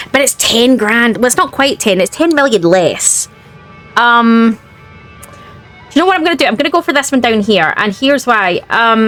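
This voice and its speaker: A Scottish woman hosting a let's play, gravelly and sniffly from illness, chatting and thinking aloud. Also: on the high side, fairly bright tone. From Scotland. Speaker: gaming host.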